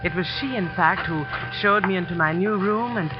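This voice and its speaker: A woman's voice: on the low side, fairly quick, natural voice. An actress playing an earnest young woman, a new sports teacher who narrates her own story in a 1940s radio drama. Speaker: narrator and lead character. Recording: muffled 1940s radio broadcast with music.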